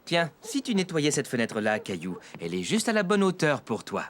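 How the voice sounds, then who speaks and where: Lively, patient cartoon dad. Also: male voice, on the high side, a little fast. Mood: encouraging. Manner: encouraging, gently instructive. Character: patient, kindly young father in a cartoon. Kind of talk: French children's cartoon dub.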